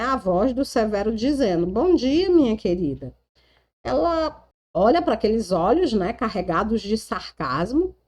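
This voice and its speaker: A woman with a Brazilian Portuguese accent retelling a romance novel in a chatty, casual way, full of tag questions. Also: mid-range voice. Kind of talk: casual storytelling.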